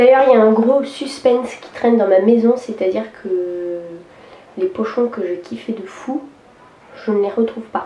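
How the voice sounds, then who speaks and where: A woman talks at a fairly slow pace with a fairly high pitch. Noticeable background noise and audible room echo fill the recording. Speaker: beauty and lifestyle youtuber. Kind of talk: unboxing video. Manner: casual, hesitant with fillers.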